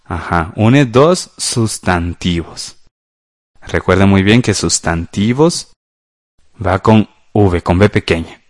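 A man's voice: low voice, unhurried, no echo, studio quality. A man teaching a grammar lesson for radio class, patiently walking through exercises step by step.

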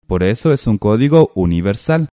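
A man's voice: on the low side, very animated, normal speed, mellow, no echo, clean studio sound. A man co-teaching a textbook lesson, explaining step by step and posing questions to the listener.

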